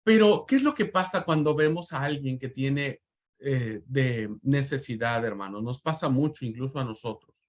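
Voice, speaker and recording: A man's voice: mid-range voice, moderate pace. Fervent man teaching a Bible class. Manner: fervent, repeats words for emphasis, addresses listeners as brothers. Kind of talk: preachy Bible class lecture.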